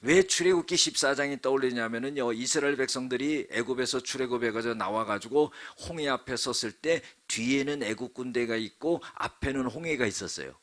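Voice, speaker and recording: A man's voice: medium pitch, a little fast, hardly any pauses, a bit bright. A male pastor preaching a sermon, telling the story dramatically with frequent asides to the congregation. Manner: dramatic storytelling, acts out quotes.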